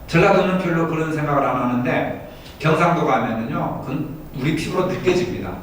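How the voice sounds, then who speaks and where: A pastor from Daejeon teaches a Bible study and keeps asking his small group whether they agree. His voice sits a little high and is picked up from a distance. The room gives a strong echo, with faint noise underneath. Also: fairly quick. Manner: asks listeners for agreement often. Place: church room.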